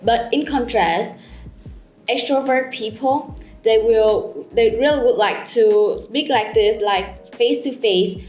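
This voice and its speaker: Brief: Vietnamese-accented woman, an exam candidate, speaks fast and eagerly, echoey room with faint music under her. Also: a little high, darkish tone. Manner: fast, eager, halting grammar with fillers. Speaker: IELTS test candidate.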